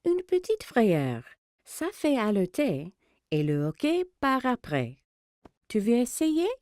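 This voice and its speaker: A woman voicing a caring, gently teasing mother in a children's cartoon, expressive and reassuring. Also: on the high side, slow pace, no room sound, studio quality, heavily acted.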